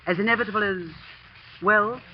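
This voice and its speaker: A woman's voice: mid-range voice, normal speed, a little hiss or hum, lightly acted. Gossipy older housekeeper lady voiced by an actress, hesitant, old radio. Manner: hesitant, confiding. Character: older woman school housekeeper, gossipy but coy. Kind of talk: 1940s radio acting. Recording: muffled 1940s radio broadcast.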